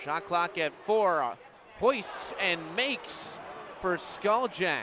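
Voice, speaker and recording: A man with an American accent, high-pitched and with lively intonation, at a very slow pace amid noticeable background noise. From Illinois, USA. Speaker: sports play-by-play broadcaster. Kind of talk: radio basketball play-by-play. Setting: radio broadcast.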